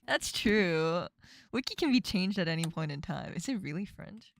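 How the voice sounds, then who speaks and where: Giggly, lively Asian American woman. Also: lowish voice, normal speed, vocal fry, background noise. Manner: giggly, laughs often, lively and playful. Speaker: streamer host. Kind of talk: casual chat with guests.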